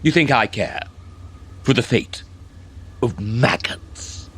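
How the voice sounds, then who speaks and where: An actor playing a theatrical dark elf tyrant in an audio drama, mocking and grandiose, drawing out his words. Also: mid-range voice, expressive, slight background noise. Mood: grandiose, gloating. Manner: mocking, grandiose, drawn-out delivery.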